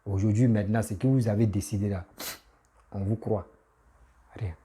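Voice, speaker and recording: A man's voice: on the low side, fairly even intonation, normal speed, mellow, slight background noise. A man who has a cold, giving a casual, insistent political rant that scolds his listeners. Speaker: political commentator.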